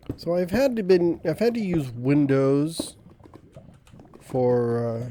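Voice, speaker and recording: A quiet voice over noticeable background noise. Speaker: gaming video creator. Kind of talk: casual gameplay commentary. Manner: quiet and chill; rambling, hesitant with restarts.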